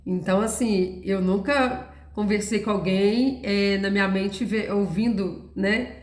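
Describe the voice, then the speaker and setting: A woman gives an earnest, storytelling Christian testimony, sharing her faith in a personal devotional talk. She speaks at a measured pace with a medium pitch and steady tone. The recording has a roomy echo.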